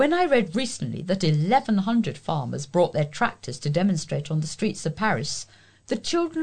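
A woman with a British accent at a medium pitch and a moderate pace, with vocal fry and very wide pitch swings. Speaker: volunteer news reader. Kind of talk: news reading.

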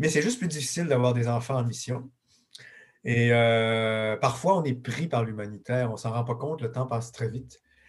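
A man talks at a moderate pace and medium pitch in a somewhat breathy voice. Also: ordinary pitch variation. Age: 50s. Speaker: lecturer and former humanitarian worker. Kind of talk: interview. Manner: halting, many repetitions.

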